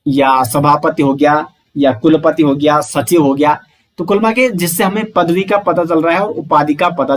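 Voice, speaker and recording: A man with a slightly raised voice teaches an exam-prep grammar lesson. He poses questions to his viewers and answers them himself, calling the viewers his friends. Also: a little high. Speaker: Hindi teacher.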